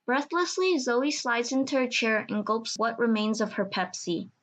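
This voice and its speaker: Higher-voiced woman narrating an audio drama. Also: moderate pace.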